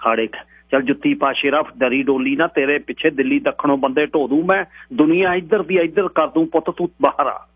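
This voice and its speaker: A frightened elderly village mother who pleads and laments, played by a male storyteller. The voice is pushed well above his usual pitch. It is heard over a thin, phone-like radio line with a hum underneath. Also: steady tone, a little fast, slightly rough. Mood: pleading. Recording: tinny radio broadcast with mains hum.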